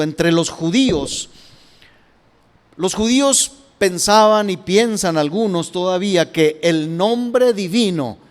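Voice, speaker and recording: A high-pitched man preaches slowly and deliberately, his words rising and falling as he presses each point on his congregation. His voice rings out through a church hall with a long, lingering reverb. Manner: addresses listeners as brother, rising and falling emphasis. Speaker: pastor. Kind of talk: sermon.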